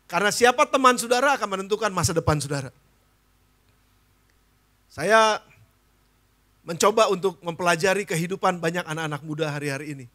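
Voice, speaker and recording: A man's voice: high-pitched, fairly quick, long pauses, pushed and bright. A man in his fifties, a pastor from Indonesia, preaching a sermon to his congregation, often asking them questions and slipping into casual slang. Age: 50s. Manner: addresses congregation as "Saudara", asks questions, mixes casual slang. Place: church.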